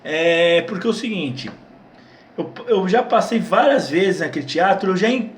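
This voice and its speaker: A man from Brazil chats loosely through viewer questions. He restarts his sentences often and repeats words as he goes. His voice sits fairly high, and the room around him rings with echo. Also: animated, unhurried, a little hiss or hum. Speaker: channel host answering viewer questions. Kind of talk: casual Q&A chat. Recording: echoey room.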